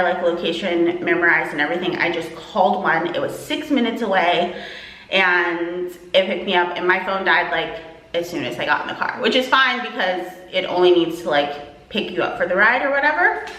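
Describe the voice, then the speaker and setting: Woman vlogger, bright tone, rambling chat, echoey room. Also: on the low side. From Texas, USA. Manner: rambling, lots of "like" and "um". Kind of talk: casual chat to camera.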